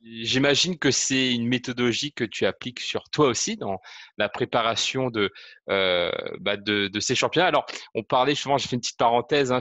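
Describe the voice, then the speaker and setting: Male interviewer, mid pitch, chatty questions, dry close sound. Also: fairly bright tone, dry recording, highs cut off. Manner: friendly, chatty questions with fillers. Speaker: interviewer, host. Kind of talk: casual interview.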